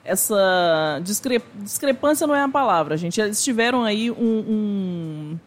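A woman co-hosting a live radio show, chatting casually and sending shout-outs to listeners. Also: mid-range voice, expressive, measured pace. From Minas Gerais, Brazil.

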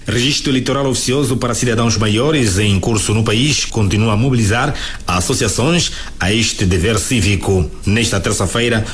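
A man with a fairly low voice reads a field report for the radio news. His delivery is formal and steady, and faint background noise sits under his voice.

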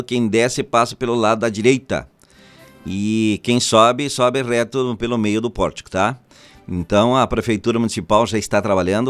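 A man with a Rio Grande do Sul accent hosting a morning radio show, folksy and joking. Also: medium pitch. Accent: Rio Grande do Sul Portuguese. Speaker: radio host.

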